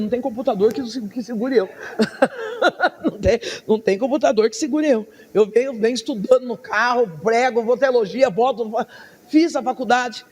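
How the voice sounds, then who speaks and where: A woman pastor preaching a sermon, telling her story with lively, acted-out dialogue and frequent laughs. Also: fairly high pitch, breathy edge, big-room sound. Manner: laughs often between phrases.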